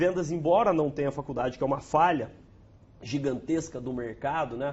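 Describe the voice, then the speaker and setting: A man with a São Paulo interior accent speaks in an animated, somewhat breathy tone, with a fairly high pitch and ordinary pitch variation. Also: moderate pace. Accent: caipira (São Paulo countryside). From Brazil, São Paulo countryside (São João da Boa Vista). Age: 40s. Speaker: sales speaker and former executive. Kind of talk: interview (webinar). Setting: webinar.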